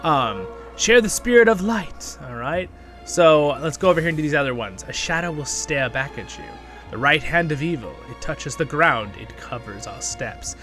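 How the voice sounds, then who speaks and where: A man's voice: fairly high pitch, animated, normal speed, fairly bright tone. A man hosting a gaming channel, giving a casual, rambling gameplay guide and chatting to viewers as friends. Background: game background music.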